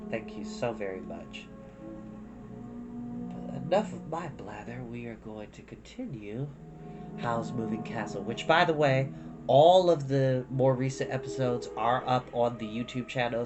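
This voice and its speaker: A man hosting an online storytime, chatting casually and reading a storybook expressively. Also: medium pitch. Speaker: host of an online storytime show. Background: background music.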